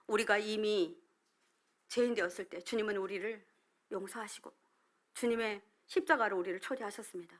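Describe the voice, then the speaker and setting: A middle-aged woman pastor giving a sermon with a personal testimony, moving between loud emphasis and hushed whispered asides. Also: mid-range voice, normal speed.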